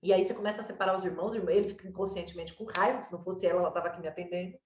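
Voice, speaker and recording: A woman's voice: fairly low pitch, steady tone, very fast, lo-fi sound, slight background noise. Brazilian woman advising a parent, distant roomy mic. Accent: Brazilian Portuguese. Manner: warm explanatory, lots of "né?" and "sabe?". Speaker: child development consultant. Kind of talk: advice session with a parent.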